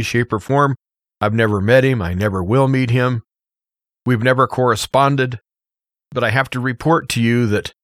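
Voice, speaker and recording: An American man hosting a radio show, giving an opinion monologue in an emphatic, deliberate way with rhetorical questions. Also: medium pitch, a bit bright, no room sound, clean studio sound.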